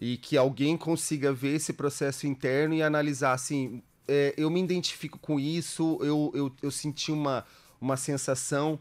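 At a moderate pace, a man delivers his words in a monotone, flat intonation. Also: fairly high pitch for a man. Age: 40s. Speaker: visual artist; guest. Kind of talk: radio interview. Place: studio. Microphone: studio mic.

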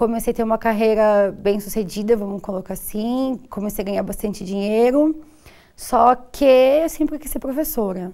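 A woman's dark, mellow tone at a moderate pace, with big swings in loudness, over a quiet background. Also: fairly high pitch for a woman, ordinary pitch variation. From Sorocaba, São Paulo state, Brazil; São Paulo state, Brazil. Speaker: visually impaired university staff member; interview guest. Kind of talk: studio interview. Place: studio. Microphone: lapel.

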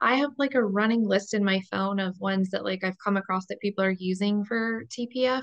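A woman's unremarkable speaking voice at medium pitch, with ordinary pitch variation and a moderate pace, against a quiet background. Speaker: staff member in training. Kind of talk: casual chat. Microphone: video call.

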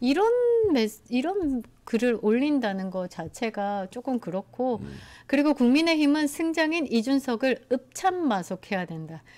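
Her pitch is high and swings very widely. This woman speaks at a fairly slow pace. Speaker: political commentator. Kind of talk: casual political talk show. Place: studio. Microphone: studio mic.

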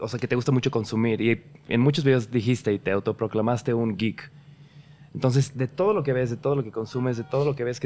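A man speaks at a very fast pace in a dark, mellow tone. His pitch varies in an ordinary way. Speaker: podcast host. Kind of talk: casual chat interview. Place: studio. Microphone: studio mic.

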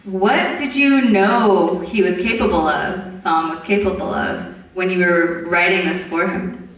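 With audible room echo, a woman talks at a fairly slow pace using ordinary pitch variation. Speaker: moderator. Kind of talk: Q&A interview. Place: hall.

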